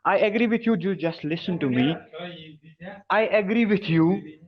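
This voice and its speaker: A man's voice: high-pitched, normal speed. A man calling in to a debate show, insistently pressing the host with questions. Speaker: caller. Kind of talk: call-in debate. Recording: dull lo-fi call line.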